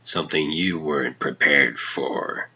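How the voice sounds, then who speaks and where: A man voicing a corrupted, sinister vigilante villain who speaks slowly and menacingly in a comic dub. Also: extremely low pitch, gravelly, dull audio, very noisy, voice pushed down, exaggerated voice. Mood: cold, brooding. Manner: slow, menacing, deliberate delivery. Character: corrupted dark Batman, sinister, calmly gloating male villain.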